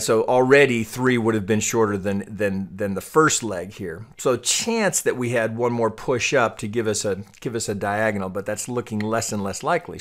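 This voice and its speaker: A man with a fairly low voice talks through chart analysis as an unscripted tutorial. He thinks aloud as he goes, halting and doubling back on words in the role of a trading analyst. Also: fairly bright tone. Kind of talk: off-the-cuff chart tutorial commentary.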